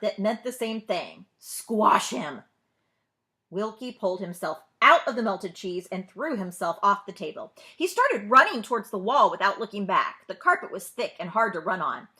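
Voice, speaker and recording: A woman narrating a children's story as a librarian, expressively, pausing to put questions to young listeners. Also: mid-range voice, bright, forceful tone. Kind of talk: children's read-aloud narration.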